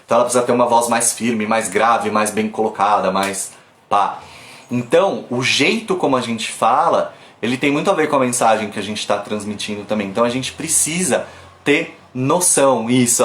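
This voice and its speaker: Brazilian guy teaching english pronunciation live, talks loose and chatty, middle pitch, roomy phone sound. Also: moderate pace. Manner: chatty, lively, breaks off and demonstrates sounds. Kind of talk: live online pronunciation class. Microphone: phone camera.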